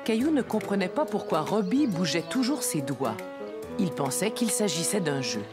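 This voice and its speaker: A woman playing the kindly storyteller of a preschool cartoon, with expressive, clearly phrased scripted narration. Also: on the low side, normal speed. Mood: storytelling. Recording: loud music under the narration.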